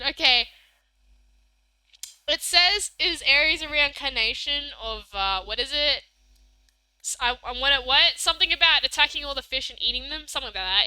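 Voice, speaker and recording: A woman's voice: high voice, bright, forceful tone, no echo, rough recording. A young Australian woman streaming live, chatting casually and reading messages from chat in a bubbly, giggly, rambling way.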